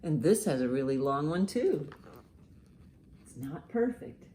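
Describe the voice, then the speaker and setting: A woman hosting a children's storytime, reading and explaining in simple, expressive language meant for young listeners. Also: low-pitched, unhurried, slight background noise. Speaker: children's librarian, storytime host. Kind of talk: children's storytime, reading a picture book aloud and commenting.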